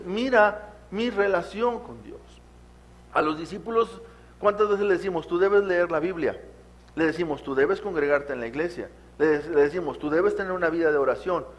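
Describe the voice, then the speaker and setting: A man, a pastor, preaching a sermon to his congregation, exhorting them with frequent rhetorical questions. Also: high voice. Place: church.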